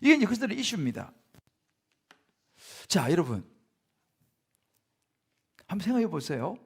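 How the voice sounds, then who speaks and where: A man's voice: high-pitched, big pitch swings, moderate pace, vocal fry, slightly rough. A middle-aged male pastor preaching a sermon in a church, speaking conversationally and often turning to the congregation with rhetorical questions. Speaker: senior pastor. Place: church sanctuary.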